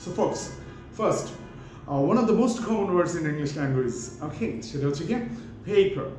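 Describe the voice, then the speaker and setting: A man's voice: fairly high pitch, expressive, slow pace, over music. Bangladeshi man teaching pronunciation, echoey room. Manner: mixes English into talk, many fillers, stretches words to model sounds. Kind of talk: casual pronunciation lesson.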